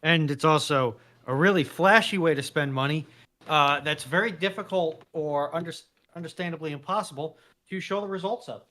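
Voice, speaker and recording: A man in a casual live chat, speaking in a measured, hesitant and wry way. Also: fairly high pitch, sharp tone.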